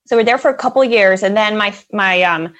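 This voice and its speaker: A young woman from the Netherlands talks easily as a guest, her voice sitting at an ordinary middle pitch. She strings her thoughts together with lots of fillers and quick laughs. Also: fairly bright tone, highs cut off. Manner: chatty, many fillers and laughs. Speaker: guest, financial advisor. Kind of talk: casual interview chat.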